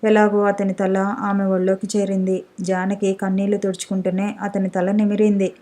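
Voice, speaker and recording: A woman narrating a story as an audiobook reader, at a steady, measured pace. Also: medium pitch. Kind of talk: scripted narration.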